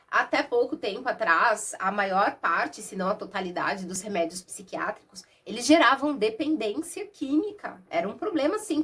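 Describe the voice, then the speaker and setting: A Brazilian woman talks to her viewers like a therapist, her voice nasal and husky from a cold. She pitches a little high and keeps a chatty, easy flow. She records without a separate microphone. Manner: warm, conversational, uses many diminutives and asides. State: has a cold. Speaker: therapist and mentor. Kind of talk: casual explainer talk to camera. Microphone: no external microphone.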